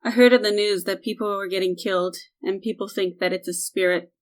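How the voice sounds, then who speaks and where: A woman's voice: medium pitch, steady tone, brisk, close to an everyday voice. A woman playing a casual, flippant young friend in an audio drama. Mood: offhand.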